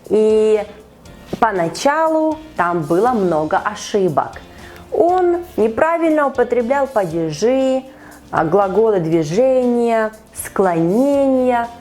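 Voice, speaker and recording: A woman teacher hosts an online chat with a student. She speaks slowly and deliberately, and her pitch rises and falls in a very lively way. Faint music plays underneath. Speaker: Russian teacher and podcast host. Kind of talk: conversational interview with a learner. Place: online call.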